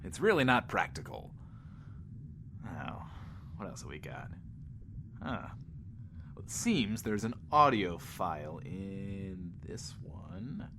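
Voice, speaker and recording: Low, swooping, cocky wasteland DJ. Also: male voice, sing-song, slow pace, long pauses, noisy background, full character voice. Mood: flippant, musing. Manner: smug, flippant, talks of himself in third person. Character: cocky, sleazy wisecracking radio DJ of a post-apocalyptic wasteland. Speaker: radio host. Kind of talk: in-world radio show patter, audio drama.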